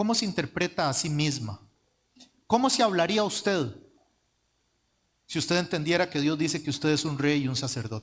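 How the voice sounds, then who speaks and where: Recorded very cleanly against a silent background, a man speaks at a fairly high pitch with lively intonation. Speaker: pastor. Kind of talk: sermon. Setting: church, livestreamed. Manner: fast.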